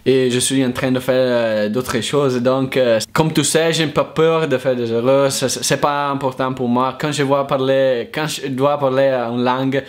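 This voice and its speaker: An Italian man talks in a second language, with an Italian accent and a halting, searching delivery. He pauses often and restarts his sentences while his voice sits at a middling pitch. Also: steady tone. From Italy. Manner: hesitant, many fillers and restarts. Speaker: language learner vlogger. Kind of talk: casual thank-you monologue.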